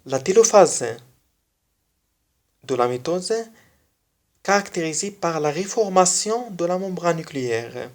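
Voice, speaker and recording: A speaker whose first language is not French, giving a biology lesson online and repeating key phrases slowly for emphasis. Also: mid-range voice, lively intonation. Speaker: biology video teacher.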